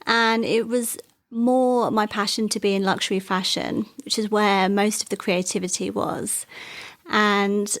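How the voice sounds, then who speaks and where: A woman born in Wales, a guest in an interview, recounting her career in a relaxed, chatty way. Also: mid-range voice, a little slow. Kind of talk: interview conversation.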